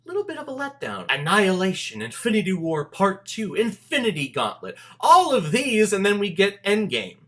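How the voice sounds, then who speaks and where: A man's voice: high-pitched, huge pitch swings, normal speed, hardly any pauses, a bit bright. A man hosting a casual movie review, talking straight to viewers in an emphatic, conversational, joking way.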